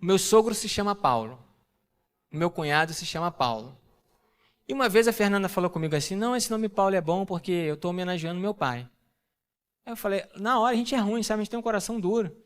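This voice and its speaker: A high-voiced man preaching a personal testimony to a congregation. His voice is smooth and resonant, and he tells the story in an animated way, jumping up in pitch to act out the family dialogue. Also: fast. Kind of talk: sermon testimony to a church audience.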